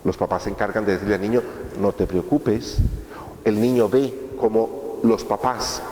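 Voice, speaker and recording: A man's voice: lowish voice, moderate pace, mellow. A man giving a course lecture in a conversational way, asking rhetorical questions and checking in with his listeners. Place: lecture room. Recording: echoey hall, faint room noise.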